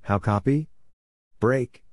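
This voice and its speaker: A man reading amateur radio practice exchanges aloud, in a flat and clipped manner. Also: mid-range voice, slow, background noise. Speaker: Morse code practice reader.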